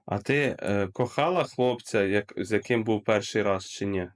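A man's voice: on the low side, a little slow. A man with a Ukrainian accent hosting a video chat, asking probing questions and answering with short acknowledgements. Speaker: streamer, host. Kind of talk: casual chat. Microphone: video call.

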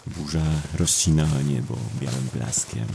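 Bardzo niski, ponury narrator. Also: male voice, a bass voice, vocal fry, very noisy. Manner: somber, measured storytelling. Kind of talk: scripted horror audio drama narration. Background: music.

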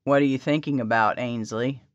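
A woman voicing a kind young husband with a lowered, soft, plain voice. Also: steady tone, fairly quick, dry recording. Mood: gentle. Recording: slightly dull dry recording.

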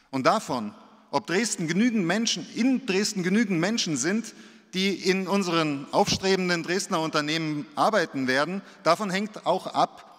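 A man's voice: fairly high pitch, a bit bright. Earnest man speaking in a reverberant hall. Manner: earnest, measured, rhetorical. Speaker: invited business speaker. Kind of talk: formal speech to a city council. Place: large council hall, at a lectern. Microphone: lectern gooseneck microphone.

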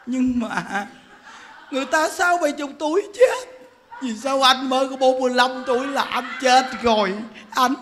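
A middle-aged widow pleads with her dead husband in a high, bright Southern Vietnamese voice, half laughing, as a monk puts her on in a sermon. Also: normal speed, a little hiss or hum. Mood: pleading.

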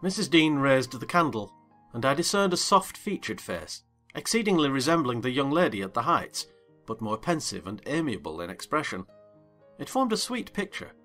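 A man playing an observant, refined gentleman, narrating formally and expressively in a dramatized literary reading. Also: medium pitch, big pitch swings, normal speed. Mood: admiring, curious. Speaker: audiobook narrator. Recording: music bed behind voice.

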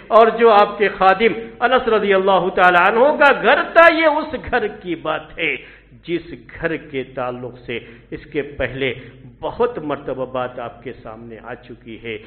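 A man giving a Friday sermon in a mosque, earnest and repetitive, now hushed, now loud. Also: high-pitched. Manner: earnest, repeating points and swinging from soft to loud. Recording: tinny phone-like audio.

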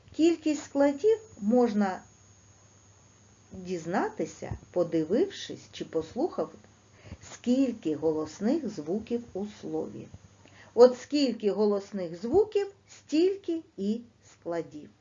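Slow, lively woman teacher. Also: mid-range voice, husky. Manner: lively, sing-song classroom delivery, stretching words slowly. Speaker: primary school teacher. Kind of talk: online lesson for second graders. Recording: dull lo-fi sound.

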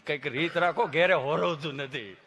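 A man doing a low, mumbling village simpleton. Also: moderate pace, fairly bright tone, a little hiss or hum. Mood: deadpan. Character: slow-witted adult village man, deadpan and literal.

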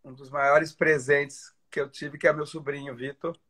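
A man speaks as a guest on a casual live stream from his home, heard over a video call. His voice sits a little high. He jokes about himself and often restarts his sentences when he talks about family. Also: flat delivery, moderate pace, a bit bright, husky. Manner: chatty, self-mocking, hesitant restarts when emotional. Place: home in isolation. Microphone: phone or computer on a video call.

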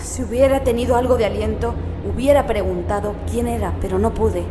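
A woman's voice: fairly high pitch, steady tone, a little fast. A woman narrating a first-person horror story in a theatrical, intense, dramatic manner. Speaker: audiobook narrator. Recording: echoey long reverb, music behind. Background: music.

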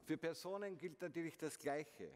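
A man's voice: a little high, moderate pace, darkish tone. A man giving a motivational conference talk, speaking to the audience directly and using frequent rhetorical questions. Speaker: keynote speaker. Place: large concert hall stage. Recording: long hall reverb, faint noise.

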